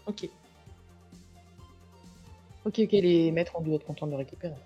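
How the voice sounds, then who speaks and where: A woman playing in a tabletop role-play game, her voice husky and a little low. She talks in a playful, teasing way, with faint music in the background. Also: normal speed, mellow. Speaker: player.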